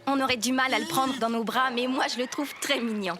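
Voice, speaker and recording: A woman voicing a kindly animal keeper who gently explains things to children in a cartoon. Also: high voice, fairly even intonation, fairly quick, very noisy, natural voice. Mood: cheerful, explaining. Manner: gentle, instructive.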